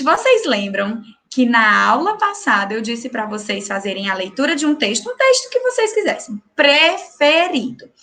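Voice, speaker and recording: A woman with a Brazilian Portuguese accent teaches a recorded school lesson in a fairly high voice. She speaks slowly and clearly, asks the class questions, waits for them, and praises their answers. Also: pushed and bright. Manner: slow, clear classroom delivery.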